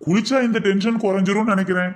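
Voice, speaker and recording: A man's voice: sits high, fairly even intonation, fast talker, lightly acted. A man voicing a stingy middle-aged husband in a cartoon comedy, teasing and bickering with his wife.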